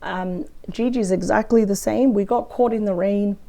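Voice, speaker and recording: A woman with a weak, croaky voice from a cold, chatting through a weekly tarot reading. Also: medium pitch, fairly even intonation, moderate pace, mellow. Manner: chatty, thinks aloud over the cards. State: hoarse from a cold. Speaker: tarot reader. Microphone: close microphone.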